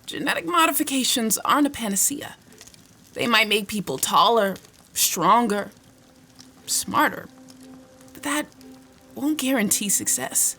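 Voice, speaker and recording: Gentle, creaky-voiced stateswoman, slow and measured. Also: on the high side, expressive, faint music behind, full character voice. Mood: earnest, measured. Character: calm, compassionate woman politician and devoted mother. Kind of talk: audio fiction drama acting.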